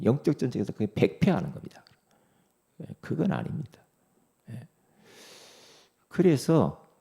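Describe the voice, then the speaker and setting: A pastor preaches a dawn sermon in a dark, gravelly voice with a husky edge. He keeps asking his listeners rhetorical questions. His pitch leaps and falls, and he moves from near-shouts to low whispers. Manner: swings from loud exclamations to hushed whispers; asks the congregation rhetorical questions.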